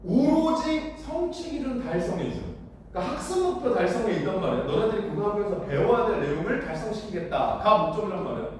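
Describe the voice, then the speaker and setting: A man teaching high school literature in a lecture room, blunt and casual, constantly asking students whether they follow. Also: big pitch swings, fast, a little mellow. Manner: keeps checking understanding with rhetorical questions; blunt, casual, with mild slang. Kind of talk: classroom lecture. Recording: very echoey room, far from the mic, faint noise.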